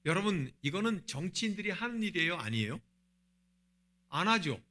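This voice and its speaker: Bright, lively man preaching. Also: sits high, normal speed. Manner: asks the congregation rhetorical questions. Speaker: senior pastor. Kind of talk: sermon.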